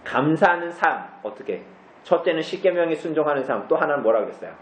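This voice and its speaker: A man with a slightly high voice and lively intonation speaks quickly as he instructs a church group on the catechism. As the pastor, he questions the congregation and answers himself; the church meeting room recording is distant, echoey and dull, with a little hiss or hum.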